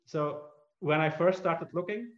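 A Belgian man whose roots are Dutch, his voice on the high side, gives a conversational answer as an interview guest; he is an entrepreneur and author. He keeps stopping and restarting and makes light of himself, heard through a roomy, somewhat dull recording.

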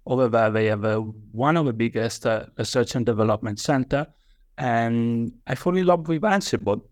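A man's voice: mid-range voice, moderate pace, no room sound, studio quality. A man from Italy with an Italian accent, speaking English as a guest on a podcast interview, hesitant with many fillers and restarts. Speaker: guest author.

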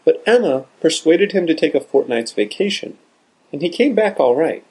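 A man voicing a gentle invalid woman who speaks fondly in a storybook reading. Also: a little high, sing-song, moderate pace, slightly rough, voice pushed up, exaggerated voice, poor audio.

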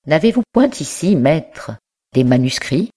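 A reader voicing a young male nobleman student, courtly and affable but obsessively insistent, in a slow audiobook reading. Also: medium pitch, animated, dark tone, natural voice. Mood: courteous. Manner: courtly, insistent, rising to fervor.

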